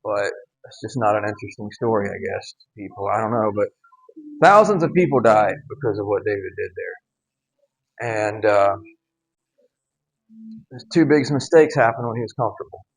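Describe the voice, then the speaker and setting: A man's voice: on the low side, rough recording. Casual man teaching scripture, wry asides. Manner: conversational, wry, with asides and quick laughs. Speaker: Bible teacher. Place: home gym.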